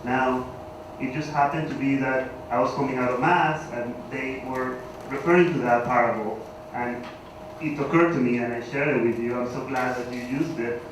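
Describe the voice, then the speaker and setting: A man's voice: mid-range voice, steady tone, moderate pace. A man from Venezuela with a Venezuelan Spanish accent, speaking English as a conference panelist, self-deprecating and a bit hesitant. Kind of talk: conference remarks. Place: large conference hall. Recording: echoey hall, speaker far from mic, background noise.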